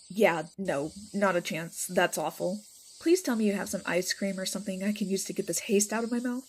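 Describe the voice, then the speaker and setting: A woman's voice: mid-range voice, normal speed, a little hiss or hum, close to an everyday voice, rough recording. A woman acts out a playful female vampire in an audio roleplay. She talks casually and affectionately to a friend, with teasing, dramatic exaggeration. Faint insect-like night ambience sits behind her voice. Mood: disgusted.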